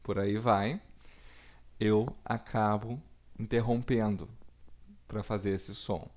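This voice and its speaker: A man, teaching a recorded lesson with slow, deliberate explanations and frequent checks for understanding. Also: on the low side, steady tone, darkish tone. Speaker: Portuguese teacher.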